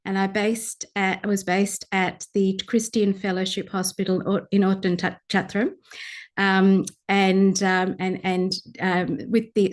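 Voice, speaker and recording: A Sri Lankan pediatrician whose first language is Tamil gives a formal conference address as a guest speaker. Her medium-pitched voice is earnest and measured, and she pauses often to search for words.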